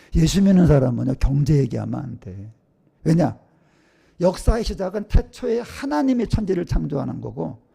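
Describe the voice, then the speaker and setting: Moving at a moderate tempo, a man talks with big swings in loudness. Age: 60s. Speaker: pastor. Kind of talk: sermon. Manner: animated.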